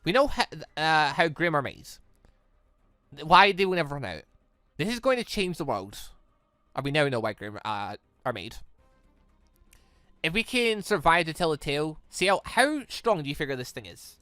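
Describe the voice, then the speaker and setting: Animated, bright-voiced man doing a let's play. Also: on the high side, normal speed, pauses often, smooth, no echo, soft background music. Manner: animated, stumbles while reading and exclaims at the story. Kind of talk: reading visual novel dialogue aloud with excited reactions.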